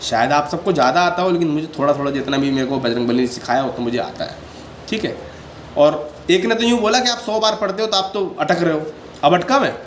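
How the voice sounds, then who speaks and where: A man with a slightly high voice gives a casual devotional talk, earnest and a little defensive as he explains himself at length. He keeps checking in with his listeners as he goes. His phone picks him up in a roomy, echoing space with a faint hiss of noise behind him. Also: lively intonation, brisk. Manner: often repeats "ठीक है" to check in with listeners. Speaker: devotional channel host. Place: sitting indoors. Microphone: handheld phone without stand. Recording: echoey room with faint background noise.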